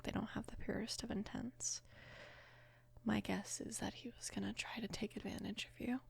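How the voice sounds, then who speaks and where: For an ASMR romance roleplay, a woman voices a young mafia boss's daughter who is gentle, protective, and flustered, speaking in a soft, hesitant near-whisper. Her mid-range voice is gravelly and slightly rough, the performance heavily acted, with a soft, awkward mood.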